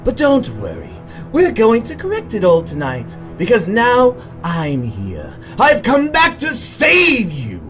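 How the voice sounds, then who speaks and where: A theatrical clown supervillain, sadistic and gleeful. His pitch leaps all over the place while the words come slowly, stretched out in mockery. It is audio drama, with music beneath. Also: huge pitch swings, a bit bright, exaggerated voice. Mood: menacing taunting. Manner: theatrical, mocking, drawn-out delivery with sudden swoops. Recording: music under the voice.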